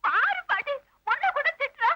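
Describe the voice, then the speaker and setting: A woman's voice: very high voice, sing-song, normal speed, muffled recording. A whiny childlike young woman. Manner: whining, childish complaining to grandmother. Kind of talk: 1980s film acting.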